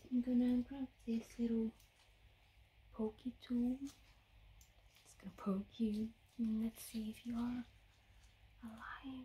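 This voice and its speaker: A soft-spoken woman whispers at a very slow pace. Her speech has long, frequent pauses. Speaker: ASMR creator. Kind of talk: ASMR roleplay, soft-spoken whispered talk to the listener. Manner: whispered, soft-spoken. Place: home room.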